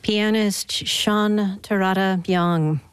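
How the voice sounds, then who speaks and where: A woman hosting a radio music program, reading clear introductions and asking interview questions in a studio. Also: medium pitch, extremely slow, dry recording. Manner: clear, even announcing. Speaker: radio host.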